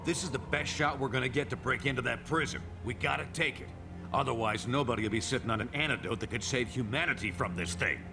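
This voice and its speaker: Game cutscene: male actor as determined hero, terse and urgent, mid pitch, clear score behind. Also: quick pace, over music, close to an everyday voice. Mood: determined, uneasy. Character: determined, grumbling male hero urging action. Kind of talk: video game cutscene acting.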